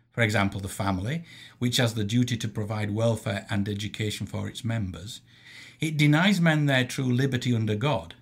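A man reading a formal, scripted theological lecture in a measured, didactic way, setting off quotations with emphasis. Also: mid-range voice, slightly rough. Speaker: Christian lecturer.

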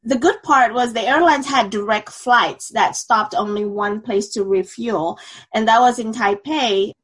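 Woman from Indonesia, thirties, podcast guest, hesitant and halting. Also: on the high side, slightly rough, rough recording. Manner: hesitant, with many filler sounds. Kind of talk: interview.

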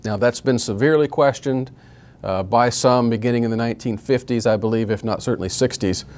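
A man giving a history lecture in a measured way, reading out period quotations with rhetorical emphasis and a few restarts. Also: mid-range voice, a little mellow.

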